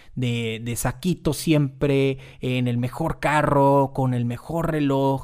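A man's fairly high voice at a very slow pace with fairly even intonation. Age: 30s. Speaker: sales coach and podcaster. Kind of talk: interview. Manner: halting.

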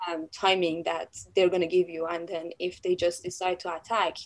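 Speaking at a moderate pace, a woman with a Persian accent has a fairly low-pitched voice. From Iran. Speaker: visual artist. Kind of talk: casual interview.

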